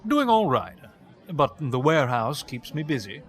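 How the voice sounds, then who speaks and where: Lively, polite husband played by a man. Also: mid-range voice, normal speed, natural voice. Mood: genial. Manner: polite, genial. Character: polite, mild detective's husband, paint warehouse man. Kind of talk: full-cast audio drama acting.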